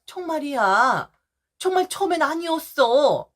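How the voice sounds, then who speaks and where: Lady putting on a high-pitched bossy mother-in-law, scolds and whines, voice jumps all over. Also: very animated, unhurried. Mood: flustered pleading. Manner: pleading, then shrill and scolding. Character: scheming older mother-in-law, defensive and indignant.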